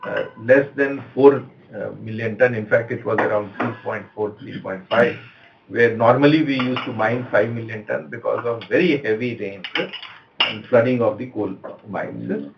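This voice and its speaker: An Indian-accented man, a company executive answering analysts on an earnings call in a measured, halting way. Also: on the low side, creaky, background noise. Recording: dull, lo-fi conference call.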